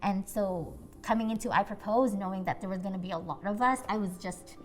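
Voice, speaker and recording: A woman's voice: mid-range voice, a little fast. A young woman, speaking English as an after Bisaya. She talks in an earnest, reflective way in a documentary interview, with faint music underneath. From Philippines. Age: 20s. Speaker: actress.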